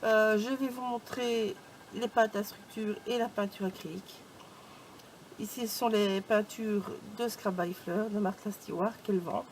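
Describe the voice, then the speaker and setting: A woman's voice: medium pitch, fairly even intonation, unhurried, darkish tone, slight background noise, low-quality recording. A woman giving a casual craft tutorial for her channel, chatty and informal, stringing her steps together with "donc" and "voilà". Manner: chatty, peppered with "donc" and "hop". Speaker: craft YouTuber.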